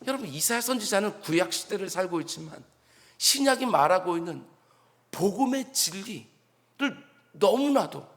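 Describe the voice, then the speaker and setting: Pastor guy preaching, pretty high voice, lots of hall echo, really earnest. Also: lively intonation, normal speed, a bit bright. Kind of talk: sermon.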